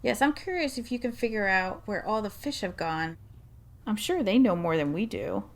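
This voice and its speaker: A woman acts out a small-town mayor and mother in middle age, in audio drama style. Her voice sits at a medium pitch. She is courteous and direct, welcoming yet weighed down by concern. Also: animated, normal speed, creaky. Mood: courteous, brisk.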